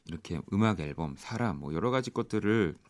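A man hosting a radio show, interviewing a guest in a polite, animated way. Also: on the low side, brisk. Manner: lively, polite, animated questioning. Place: radio studio.

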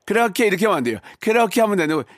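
A man hosting a radio call-in show on a studio microphone, playful and teasing, coaching callers with loud bursts. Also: high voice, sing-song, racing, no echo.

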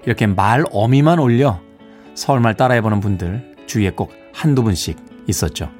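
A man's voice: lowish voice, a little fast, faint music behind. A man from Seoul hosting a morning radio show, reading listener texts playfully with chuckles. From Seoul, South Korea. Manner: lively, playful, chuckles between messages. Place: radio studio.

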